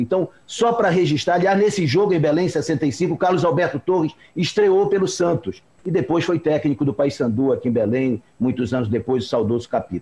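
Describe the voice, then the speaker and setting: Lively intonation and a dark, mellow tone carry this speech along at a moderate pace. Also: man. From Oriximiná, Pará, Brazil. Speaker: radio sports journalist. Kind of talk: casual chat.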